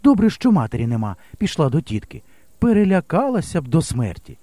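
A man voicing a brave, resolute young woman, a village teacher who speaks in a bright, brisk and reassuring way in an audiobook. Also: fairly high pitch, big pitch swings, dry recording, voice pushed up. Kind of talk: audiobook character voice.

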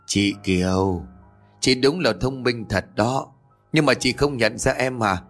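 A man voicing a vengeful young female ghost speaking through a dead man's body, slow, low and menacing, in a storybook horror tale. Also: a bit bright, soft background music. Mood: mocking.

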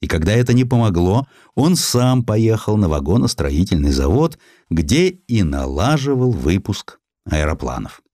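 A man narrating a literary historical sketch as an audiobook, in an expressive, measured, dramatic storytelling manner. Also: lowish voice, no echo, studio quality.

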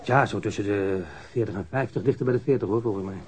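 Man playing a halting, lowish-voiced police witness. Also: a little mellow, a little hiss or hum, natural voice. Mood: hesitant. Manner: halting, offhand, colloquial. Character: shabby-talking, hesitant male witness under police questioning. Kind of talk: radio drama acting.

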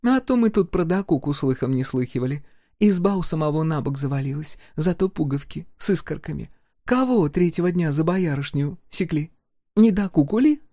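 A man's voice: a little high, lively intonation, measured pace, a little mellow, dry recording, clean studio sound, voice pushed up. A man voicing a mocking young village girl. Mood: teasing. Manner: sly, teasing, haughty.

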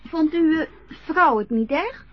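Dutch-accented young woman as a teasing caregiver, lively and high, lo-fi radio play. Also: unhurried. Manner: playful, teasing questions.

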